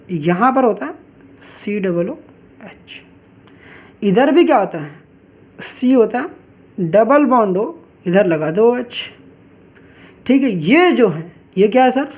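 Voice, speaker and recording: A woman's voice: medium pitch, expressive, darkish tone. Woman teaching chemistry, self-answering questions. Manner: asks questions and answers them herself, drawls key terms slowly. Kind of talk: online class lecture. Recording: dull lo-fi recording.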